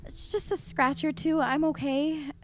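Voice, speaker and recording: A woman's voice: sits high, little pitch movement, measured pace, background noise. A woman playing a tender young woman in an audio drama, hesitant and concerned.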